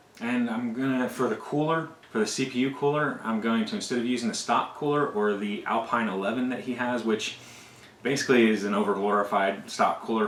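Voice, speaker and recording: Audible room echo and noticeable background noise surround a man speaking at a medium pitch and moderate pace with fairly even intonation. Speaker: tech YouTuber. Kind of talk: unboxing video. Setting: at home. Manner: lowered voice; casual.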